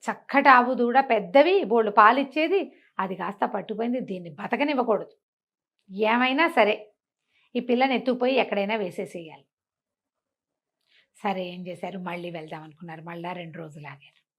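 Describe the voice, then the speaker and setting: A woman's voice: mid-range voice, moderate pace, long pauses, lo-fi sound. A woman storyteller narrating a folk tale conversationally, repeating phrases and acting out dialogue. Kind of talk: animated oral folk storytelling.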